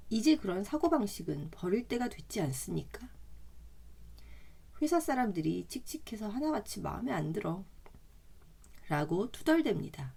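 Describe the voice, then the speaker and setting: A woman reading a self-help book aloud in a calm, measured way, adding chatty side comments, her throat slightly hoarse today. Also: medium pitch.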